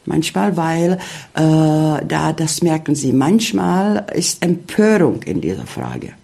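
Man, gravelly voice. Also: fairly high pitch, sing-song, a little mellow. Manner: halting, searching for words, many fillers. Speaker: interview guest. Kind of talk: casual interview talk.

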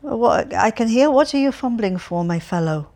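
A woman's voice: a little high, expressive, moderate pace, warm tone, voice pushed up. A woman reading an audiobook, voicing an impatient, irritable young man who answers curtly and grumbles. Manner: curt, grumbling.

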